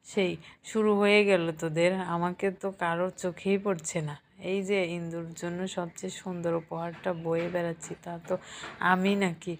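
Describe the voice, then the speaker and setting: A woman's voice: on the low side, little pitch movement, normal speed, a little hiss or hum, close to an everyday voice. A woman voicing a sassy, complaining young wife in an audio story.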